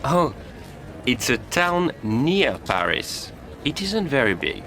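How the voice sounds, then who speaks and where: A man playing a friendly young man making small talk in a slow, clearly spoken lesson dialogue. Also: mid-range voice, very animated, a bit bright, soft background music, heavily acted. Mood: chatty.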